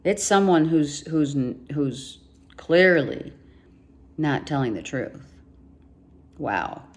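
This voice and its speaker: A woman giving a monthly tarot reading, emphatic and repeating herself, her voice going hoarse with some coughing. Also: deep voice, very animated, slow pace. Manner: emphatic, repeats herself, talks straight to the viewer. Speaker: tarot reader.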